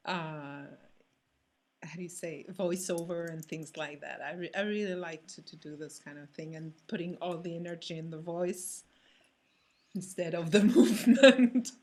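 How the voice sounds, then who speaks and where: A woman performer chatting casually in an interview, halting as she searches for words. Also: fairly low pitch, darkish tone. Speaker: stage performer being interviewed. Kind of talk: casual chat.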